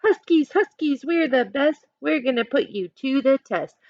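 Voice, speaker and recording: A woman voicing excited young soccer kids in a read-aloud storybook, cheering with drawn-out shouts. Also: sits high, muffled recording, voice pushed up.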